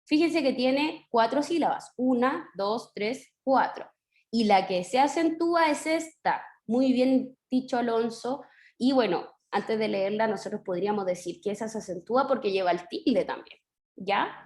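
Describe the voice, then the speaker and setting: A Chilean woman teaching children over a video call, patient and encouraging, stretching out key syllables when she explains. Her voice sits a little high for a woman. The sound is roomy and echoey, as call audio often is. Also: expressive, a little slow, a little mellow. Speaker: primary school teacher. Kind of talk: online class teaching.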